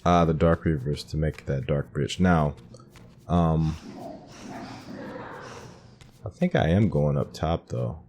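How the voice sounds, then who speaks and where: A man's voice: very deep voice, unhurried, darkish tone, soft background music. A man giving casual gameplay commentary, thinking aloud as he plays. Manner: thinks aloud, musing to himself. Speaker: gaming host narrating a playthrough.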